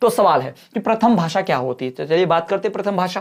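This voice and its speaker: A man speaks with a Bihari accent. His pitch sits high. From northern India, Bhojpuri-speaking family. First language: Bhojpuri (speaking Hindi). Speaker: online teacher for teacher-training exams. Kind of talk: video lecture. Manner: conversational, repetitive.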